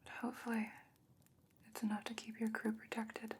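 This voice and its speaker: A woman playing a gentle, solemn sorceress in a whispered fantasy ASMR roleplay, breathy, hushed and measured. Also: a little high, completely flat delivery. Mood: quietly caring. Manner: slow, measured, hushed delivery. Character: gentle, solemn sorceress sending a pirate friend off.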